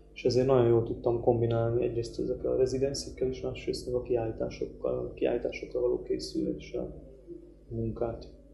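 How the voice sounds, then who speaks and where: A man speaks at a fairly quick pace, with audible room echo and light background noise. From Hungary. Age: 30s. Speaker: artist; interviewee. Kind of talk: interview. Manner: halting. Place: home room. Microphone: camera far.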